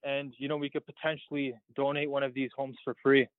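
A man's voice: medium pitch, little pitch movement, brisk, no room sound. Teenage man on a tinny phone line. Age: teens. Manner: eager, rambling explanations. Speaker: engineering student guest. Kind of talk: phone-in radio interview.

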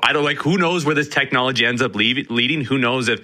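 Male radio reporter, very bright tone, loose rambling chat. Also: mid-range voice, fast. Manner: animated, laughs easily, rambling. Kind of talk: casual radio talk.

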